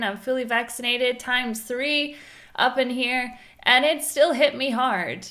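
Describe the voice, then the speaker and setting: Against a quiet background, a woman with a high pitch talks at a moderate pace. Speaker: anime reaction youtuber. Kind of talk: casual vlog chat. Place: home room.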